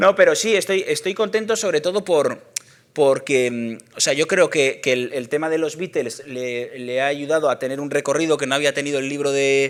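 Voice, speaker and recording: With ordinary pitch variation, the speaker keeps to a moderate pace. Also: man, fairly high pitch for a man. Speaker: journalist and poet. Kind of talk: book presentation talk. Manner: halting, many repetitions.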